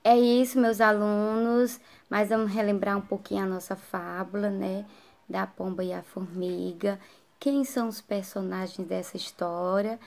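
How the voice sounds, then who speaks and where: A woman teacher giving a recorded lesson to adult students, explaining slowly and checking in with frequent tag questions. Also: medium pitch, steady tone, vocal fry, a little mellow.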